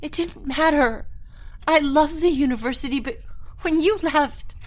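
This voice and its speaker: A woman's voice: sits high, measured pace. An actress playing Anna, an earnest young woman in a retro sci-fi radio drama, pleading and stammering when upset. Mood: tender. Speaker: first-person narrator and lead. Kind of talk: golden-age style radio drama acting.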